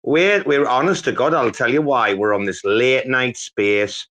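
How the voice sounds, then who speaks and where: A man's voice: mid-range voice, unhurried, a bit bright. A man hosting a casual live chat, telling a rambling story full of swearing.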